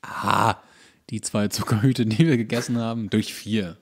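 A man's voice: fairly low pitch, fairly even intonation, normal speed, gravelly. A man co-hosting a podcast, chatting casually and comedically in a colloquial, teasing manner. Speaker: podcast co-host.

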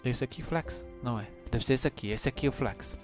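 A Brazilian man giving excited gameplay commentary, yelling, cursing and switching into English to talk with other players. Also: medium pitch, brisk, faint music behind. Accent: Brazilian Portuguese. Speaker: gameplay streamer.

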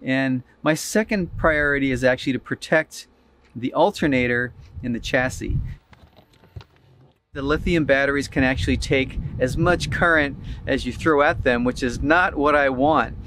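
A man's voice: medium pitch, moderate pace, fairly bright tone, a little hiss or hum. A man in his fifties, an RV vlogger, casually explaining a DIY setup step by step with frequent "uh" restarts, filmed at arm's length outdoors and in a van cab.

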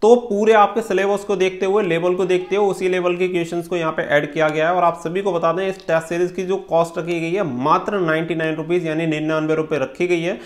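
Male exam coach, thirties, high-pitched voice, instructional delivery with English words mixed in. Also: little pitch movement, quick pace, hardly any pauses. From India. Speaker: exam-prep coach and channel host. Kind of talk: explanatory talk to camera for exam candidates. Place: small room indoors.

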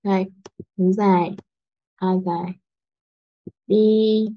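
A woman's voice: medium pitch, steady tone, slow pace, muffled recording. A young woman teaching a school English lesson online, explaining patiently step by step and often checking that her pupils follow. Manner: patient, explains step by step, asks "đúng không".

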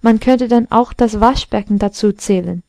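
A woman's voice: fairly high pitch, normal speed, vocal fry, warm tone, dry recording. Woman voicing a haughty talking mirror. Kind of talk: storybook reading.

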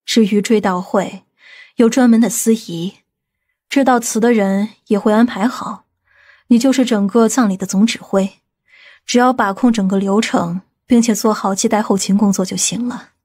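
A woman playing a composed, authoritative middle-aged aunt in audiobook drama dialogue, speaking in a measured way. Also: mid-range voice, fairly even intonation, a little mellow, breathy edge, close to an everyday voice. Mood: composed, instructing.

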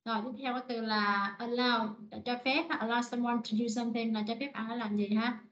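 A woman teaching an online vocabulary lesson, repeating words slowly and explaining in short phrases. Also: on the high side, fairly even intonation, fairly bright tone, highs cut off. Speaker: English teacher.

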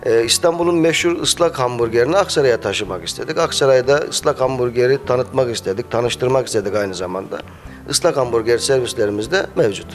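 A man's voice: medium pitch, brisk. Hesitant man answering questions. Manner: hesitant, with frequent "ee" fillers. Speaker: cafe owner. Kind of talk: casual interview answers. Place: small cafe indoors. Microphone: handheld mic held by interviewer. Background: faint music.

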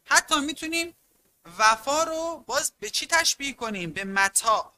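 A teacher giving an online exam-prep literature lesson, stressing key terms by drawing them out slowly and calling often on the students. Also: high-pitched, lively intonation, pushed and bright. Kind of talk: online class lecture.

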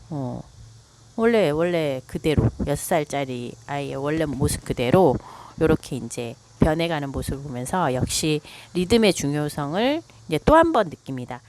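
Low-voiced woman reading with commentary. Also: darkish tone. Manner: slow and reflective, frequent hesitation fillers. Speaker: author and counselor. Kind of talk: reading a book aloud with commentary.

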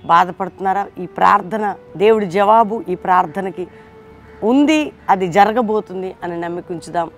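A woman's voice: fairly low pitch, creaky. A woman leading a morning devotional, preaching and praying in an earnest, pleading way with repeated phrases. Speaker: devotion leader. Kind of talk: morning devotional sermon and prayer.

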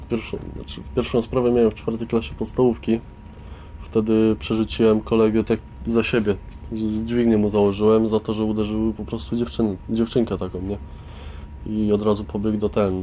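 A man's voice: fairly low pitch, flat delivery, moderate pace, mellow, a little hiss or hum. A teenage man from Warsaw giving a casual personal account. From Warsaw, Poland. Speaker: resident of youth correctional centre.

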